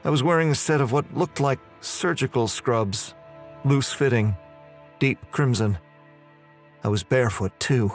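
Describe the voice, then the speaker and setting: An actor playing a bewildered, uneasy man narrating his horror story in a deliberate, measured way. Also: medium pitch, lightly acted. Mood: bewildered, alarmed. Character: bewildered, uneasy man waking in strange prison. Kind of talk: dramatized horror audio narration. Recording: faint music under the voice.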